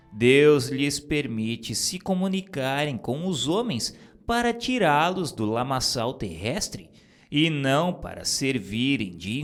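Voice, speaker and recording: A man giving a solemn, measured reading of a spiritual text as narrator. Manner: slow, measured, grave delivery with lively pitch swings.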